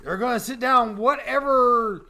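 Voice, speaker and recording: A man with a high, bright, forceful voice gives casual comic advice on a podcast. He is blunt and folksy, and he swears freely as he talks. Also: a little slow. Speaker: comedy advice podcast co-host.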